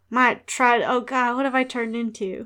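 A woman with an American accent speaks at a moderate pace in a playful tone. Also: very clean recording, silent background. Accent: mild Texan, homogenized. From US Texas. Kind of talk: casual chat. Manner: joking, playful.

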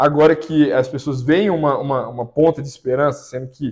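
Speaking at a moderate pace, a man uses a fairly high pitch with fairly even intonation. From Brazil, Minas Gerais (Belo Horizonte). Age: 20s. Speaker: commercial astronaut and engineer. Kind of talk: interview. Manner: halting, frequent repetitions.

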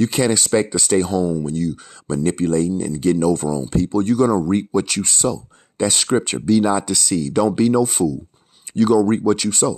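With an American accent, a man talks at a fairly quick pace in a very deep, low pitch with ordinary pitch variation. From US Midwest (Fort Wayne, Indiana). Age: 50s. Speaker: former addict and ex-prisoner, business owner. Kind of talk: personal testimony. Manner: passionate, emphatic.

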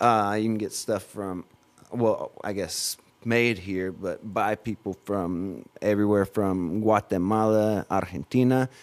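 Speaking slowly with fairly even intonation, a man with an American accent uses an ordinary speaking voice at a fairly low pitch. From Georgia, US. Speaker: TikToker and musician. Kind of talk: casual chat.

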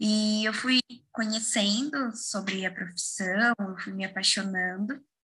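The woman's pitch sits fairly high, with fairly even intonation. She talks at a very slow pace. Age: 30s. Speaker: ICU nurse. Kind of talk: interview.

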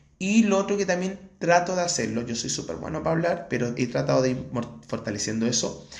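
A man talks at a fairly quick pace with very wide pitch swings. Audible room echo surrounds his voice. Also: fairly high pitch for a man. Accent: Chilean. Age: 30s. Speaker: cosplayer and party-goer. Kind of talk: casual chat.

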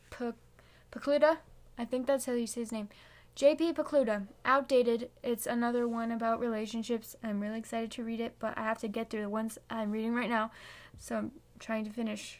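A woman's fairly high voice at a fairly quick pace, with fairly even intonation, on a very clean recording with a silent background. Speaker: podcaster. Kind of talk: casual solo podcast. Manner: monotone; casual, filler-heavy.

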